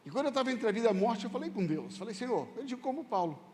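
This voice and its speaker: Audible room echo surrounds this recording. A man talks at a very fast pace with an extremely high pitch. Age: 60s. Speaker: pastor. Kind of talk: sermon testimony.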